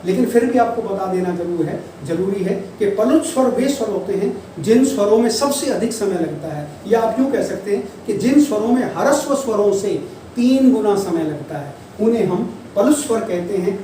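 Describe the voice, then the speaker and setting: A man teaching Hindi grammar in a classroom-style lecture, explaining patiently and drawing out examples slowly. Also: high-pitched, animated, warm tone. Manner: explains patiently, repeats key terms and drawls examples slowly. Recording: distant mic, echoey room, faint noise.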